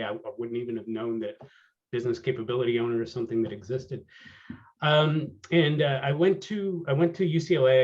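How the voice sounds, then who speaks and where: A man in his fifties speaking as a panel guest, wry and rambling, often trailing off quietly, on a video call. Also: mid-range voice. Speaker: panel speaker, business manager. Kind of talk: casual panel talk over a video call. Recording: dull lo-fi call audio.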